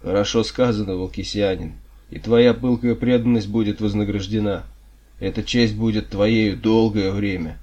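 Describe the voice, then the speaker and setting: Guy doing a loud mocking soldier, dark husky voice, audiobook. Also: on the low side, fairly even intonation, moderate pace, lo-fi sound, lightly acted.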